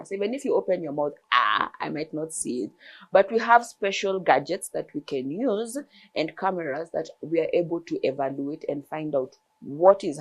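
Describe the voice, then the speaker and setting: A woman's voice: deep voice, a little mellow. A woman ENT surgeon, explaining throat health in a TV interview with examples. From Kenya.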